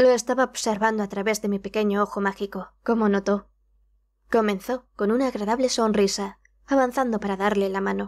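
A plain, everyday voice from a woman, medium in pitch, fairly quick and fairly even in intonation, in a very clean recording with a silent background. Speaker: audiobook narrator. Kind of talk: dramatic audiobook narration of a gothic story, with character voices. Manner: measured, suspenseful, hushed tone building tension; changes voice for each character, formal and theatrical.

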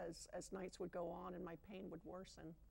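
A woman speaks at a moderate pace with vocal fry. Her intonation is monotone and flat. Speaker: guest. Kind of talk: interview answer. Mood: earnest, emotional recollection. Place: studio.

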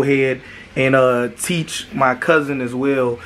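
There is light background noise as a man speaks. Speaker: small business owner vlogger. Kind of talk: casual vlog chat. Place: home room. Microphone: phone near.

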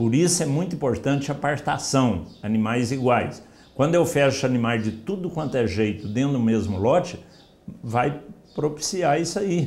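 A man's fairly high, somewhat breathy voice with lively intonation. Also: moderate pace. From Brazil. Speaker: professor teaching cattle feedlot management; course instructor. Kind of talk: instructional tutorial. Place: office. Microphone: lapel.

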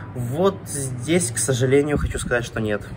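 A man speaks at a moderate pace and with ordinary pitch variation, while noticeable background noise carries on behind him. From Russia. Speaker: software developer; street interview respondent. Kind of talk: interview. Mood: calm, thoughtful. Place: street.

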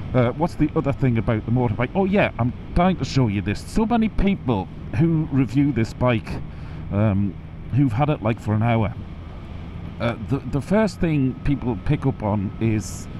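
Noticeable background noise sits behind a man whose pitch swings very widely as he speaks at a moderate pace in a dry sound with no echo. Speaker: motorcycle vlogger. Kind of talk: casual vlog chat. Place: motorbike. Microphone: lapel.

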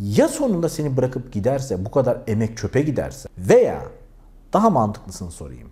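Here a man talks at a fairly quick pace. His pitch swings very widely. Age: 40. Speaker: online educator. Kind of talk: vlog-style talk to camera. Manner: casual conversational. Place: home room. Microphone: lapel.

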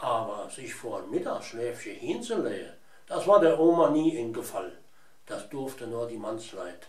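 There is audible room echo as a man speaks at a moderate pace with a Hunsrück accent. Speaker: dialect author. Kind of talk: dialect word explanation. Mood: calm, warm storytelling. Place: home room. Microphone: camera far.

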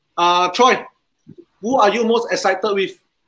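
A man with a Singaporean accent speaks at a fairly slow pace in a bright, sharp tone. His pitch variation is ordinary, and the background is quiet. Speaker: football podcast host. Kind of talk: casual fan talk show. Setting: video call. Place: home room.

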